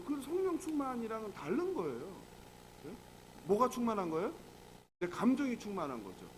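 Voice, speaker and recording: Male pastor, high and animated, chatty sermon full of questions to the room, faint noise under it. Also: poor audio. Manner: conversational, asks the congregation rhetorical questions. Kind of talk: early morning prayer sermon.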